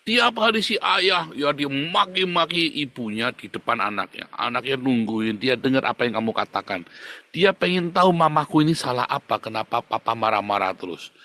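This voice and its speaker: A male pastor preaching a sermon with emphatic delivery, often addressing listeners as brothers and sisters, swinging between loud outbursts and low, quiet lines. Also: vocal fry.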